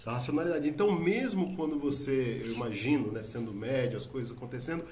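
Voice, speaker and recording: Thoughtful host in roomy sound. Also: male voice, mid-range voice, quick pace, a little mellow. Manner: thoughtful, hedging with filler tags. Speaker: podcast host. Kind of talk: casual interview chat. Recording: roomy with faint background noise.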